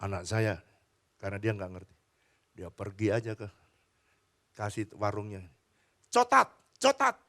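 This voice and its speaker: A man's voice: lowish voice, normal speed, pauses often. A man preaching a sermon as pastor, telling stories and chatting with the congregation. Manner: animated storytelling, chats with the congregation. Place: church.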